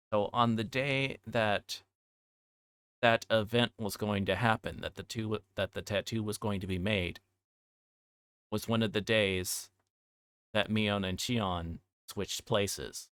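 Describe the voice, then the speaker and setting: Low-voiced man streaming, dry close sound. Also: steady tone, fairly bright tone, clear, resonant tone, dry recording. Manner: halting, thinking aloud. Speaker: livestreamer. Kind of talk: casual game commentary and read-aloud.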